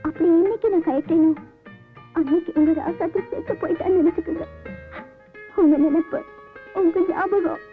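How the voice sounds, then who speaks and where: Worried young village girl in love, very high voice, tinny old movie sound with music behind. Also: moderate pace, long pauses. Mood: pleading. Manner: pleading, emotional. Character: young poor village woman, anxious devoted lover. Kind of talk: 1990s film drama dialogue.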